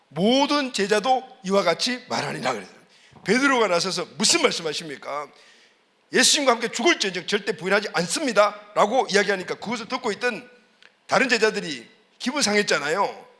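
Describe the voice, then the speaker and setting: Male pastor preaching, animated and bright, repeats key words, quizzes the congregation. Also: high-pitched. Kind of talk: sermon. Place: church service.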